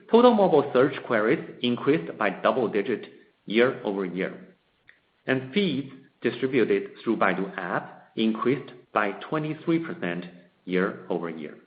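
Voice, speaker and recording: A man presenting as a company executive, reading a scripted corporate statement in formal, measured short phrases on a conference call. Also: mid-range voice. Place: conference call in a roomy space. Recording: dull, echoey conference-call audio.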